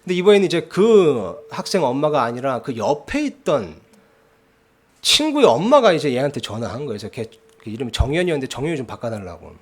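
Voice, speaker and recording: A man's voice: medium pitch, sing-song, fast, slightly rough. A man preaching a sermon in a church, telling a story in a conversational way and often checking in with the congregation. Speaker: pastor. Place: church sanctuary.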